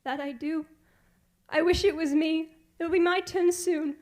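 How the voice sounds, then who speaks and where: A woman's voice: very high voice, steady tone, unhurried, a little mellow, a little hiss or hum. A woman playing a despairing young servant girl in a radio play, with a mournful manner. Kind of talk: radio theatre acting.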